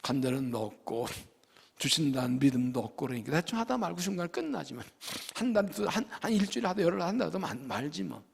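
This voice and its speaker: A man preaching a sermon as pastor, with sudden loud rises and soft drops, acting out pleading prayers. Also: a little high, very animated, a little fast, gravelly, breathy edge. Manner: acts out prayers and quotes in a pleading voice. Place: church sanctuary. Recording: long reverb of a church hall.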